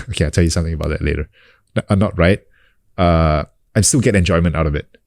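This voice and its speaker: A very low-voiced man in his thirties from New Zealand talks through a casual interview. He keeps it relaxed, leaning on fillers and restarting his sentences. The sound is dry and close. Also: fast talker, gravelly, no echo. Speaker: guest, actor and coach.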